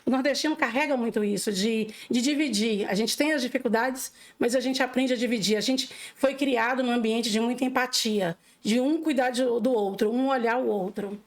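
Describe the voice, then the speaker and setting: A woman's voice: a little high, moderate pace, hardly any pauses. A middle-aged woman from Bahia, raised in Minas Gerais, with a Brazilian accent, talking earnestly as a guest in a casual interview. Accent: Brazilian Portuguese. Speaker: political candidate, interview guest.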